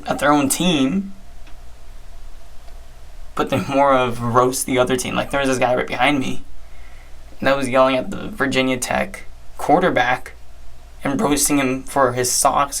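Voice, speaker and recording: A young man hosting his own podcast, his voice hoarse and strained. The tone is gravelly with plenty of fry. He talks in a chatty, upbeat way and often restarts his sentences. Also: mid-range voice, fairly bright tone, rough recording. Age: young adult. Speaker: podcast host. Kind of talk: casual solo sports talk.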